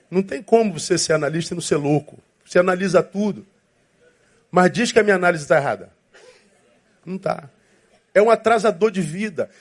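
A pastor preaches a sermon in an animated, playful way. His voice sits a bit high for a man, and he slips into little acted-out voices to make his points. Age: 50s.

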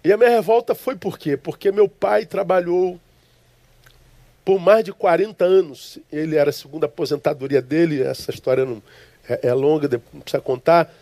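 A Brazilian man from Rio preaching an emotional sermon. His voice sits high for a man. The sound is close and dry, and he repeats words to drive his point home. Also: fairly quick, dark tone, dry recording. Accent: Brazilian, from Rio de Janeiro. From Rio de Janeiro, Brazil. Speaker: pastor. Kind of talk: sermon with a personal story.

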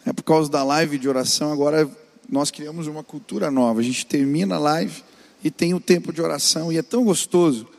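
A man's voice: on the high side, a little fast, gravelly, long reverb tail. A man, a pastor, preaching earnestly on family life and urging the listener directly.

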